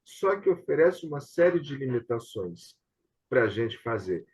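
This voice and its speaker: A man's voice: medium pitch, very animated, unhurried, a little mellow, husky. A Brazilian man hosting a casual online discussion, explaining things and often checking for agreement, recorded over a video call. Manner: explanatory, often seeking agreement with tag questions. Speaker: host and theatre director. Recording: dull, lo-fi video-call audio.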